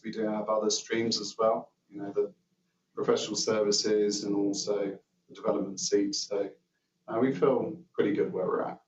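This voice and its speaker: A man answering analysts as a company executive on an earnings call, in measured, careful business talk. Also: on the low side, a little mellow. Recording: dull, roomy conference call, distant mic.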